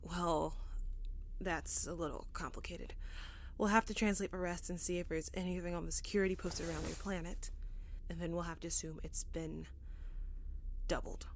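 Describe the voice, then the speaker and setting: A woman's voice: on the low side, fairly even intonation, moderate pace, long pauses, a little hiss or hum, close to an everyday voice. A woman playing a weary, sardonic, foul-mouthed space adventurer in naturalistic audio drama dialogue, wry and a little hesitant. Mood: uneasy.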